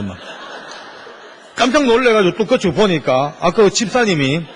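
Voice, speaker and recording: A middle-aged man, giving an animated sermon testimony in a church. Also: high voice. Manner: animated storytelling with Gyeongsang dialect. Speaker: church elder and prison official preaching. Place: church sanctuary.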